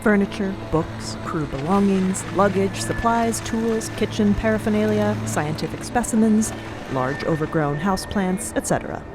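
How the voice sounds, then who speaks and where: A woman's voice: medium pitch, normal speed, music in the background. A woman narrating a scripted audio drama in a dramatic storytelling style.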